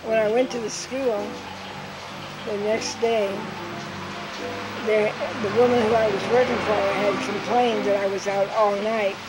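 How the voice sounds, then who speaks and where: An older woman recounting memories from her life in an interview, telling stories lively and acting out what people said. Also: mid-range voice, a little slow, over loud music, low-quality recording. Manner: lively storyteller who acts out quotes with laughs.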